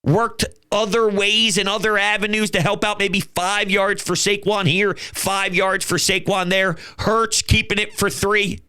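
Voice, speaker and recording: A man's voice: high voice, flat delivery, unhurried, few pauses, sharp tone, smooth. A man hosting his own fan channel, talking football in an emphatic, fired-up way and swearing now and then. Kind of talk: fan commentary vlog.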